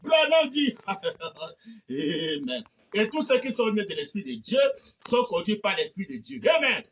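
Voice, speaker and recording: A man preaching a fervent sermon, often shouting and repeating refrains between phrases. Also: high voice, very animated, measured pace, distant mic, slight background noise. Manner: shouting, repeating "eh ben" and "amen".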